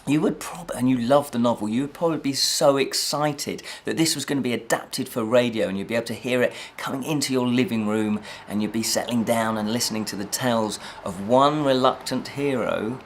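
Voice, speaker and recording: A man hosting a fantasy review show, talking in an animated, chatty way with frequent self-corrections and rhetorical asides. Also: medium pitch, fairly quick, hardly any pauses, a little hiss or hum. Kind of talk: chatty unscripted review to listeners.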